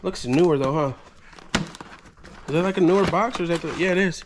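Amid a noisy background, a thirty-something man with a slightly high voice talks fairly fast as he sorts through storage-unit boxes. He narrates casually, unboxing-style, and exclaims excitedly over each thing he turns up.

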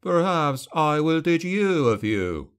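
A man voicing an arrogant young nobleman bully in an audiobook, snarling and mocking with a slight drawn-out lisp. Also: mid-range voice, lightly acted. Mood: hostile.

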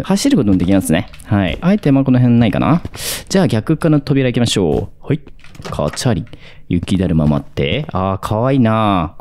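A young man commentating a horror game, excitable and quick to react with loud, jumpy outbursts. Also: lowish voice.

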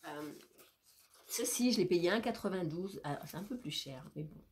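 This French vlogger, a woman in her fifties, sits in a bedroom with leafy wallpaper chatting to a nearby camera about her groceries while a little congested with a cold. Her fairly low, darkish voice is expressive at a moderate pace, with slight background noise. She's playful and talkative, now and then cooing at her cat in baby talk.

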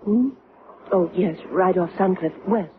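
A woman's voice: on the low side, a little slow, natural voice. An actress playing a poised, frank young mother troubled by a strange encounter, in a direct, dry radio drama style. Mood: wry, direct. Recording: muffled, noisy old radio recording.

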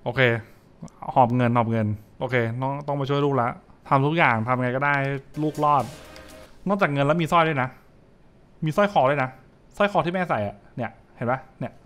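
A man's voice: medium pitch, a little fast, fairly bright tone. Young man thinking aloud, music behind. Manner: repeats short phrases, thinking aloud. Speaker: streamer reacting to horror comics. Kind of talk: casual live reaction commentary.

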